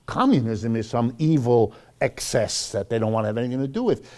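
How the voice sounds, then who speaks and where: A man giving an informal public lecture, speaking emphatically with rhetorical questions and deliberate pauses. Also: mid-range voice, lively intonation, a little mellow. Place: live talk before an audience.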